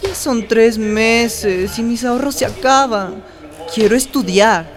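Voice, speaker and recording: A woman's voice: on the high side, slow pace, a crowd in the background. An actress playing a young trans woman hairdresser who tells her life in a radio drama, tender and wounded. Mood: worried, pleading. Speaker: narrator and lead of a radio drama. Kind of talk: radio drama acting and narration.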